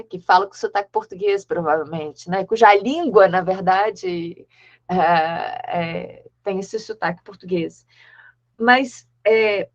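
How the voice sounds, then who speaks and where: Halting woman academic, lo-fi call. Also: mid-range voice. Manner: halting, thinking aloud with many restarts. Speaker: academic discussant. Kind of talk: academic discussion on a video call. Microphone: video call. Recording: dull lo-fi call audio.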